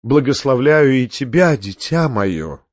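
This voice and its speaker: A man's voice: medium pitch, sing-song, unhurried, no room sound, muffled recording. A man voicing a pompous, sanctimonious older male tyrant who preaches and shrieks. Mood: solemn. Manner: preachy, shrieking when enraged.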